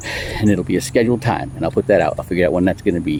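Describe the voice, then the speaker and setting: A man with a very deep, low pitch speaks very fast against noticeable background noise. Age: 60s. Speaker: fitness and faith vlogger. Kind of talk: casual monologue vlog. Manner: conversational with fillers and repetitions.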